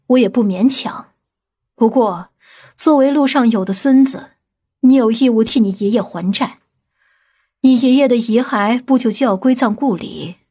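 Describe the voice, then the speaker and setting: An actress plays a stern aunt with authority in an audiobook drama. Her voice is somewhat high and a touch husky, and she speaks in a measured, firm, commanding way. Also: warm tone. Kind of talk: audiobook character acting.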